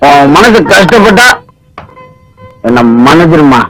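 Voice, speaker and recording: An earnest, tender family man speaks in a pleading, emotional way. His voice sits a little high. A film score plays clearly behind the old movie dialogue. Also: very animated, a little slow, music in the background, rough recording. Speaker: film actor in a family drama.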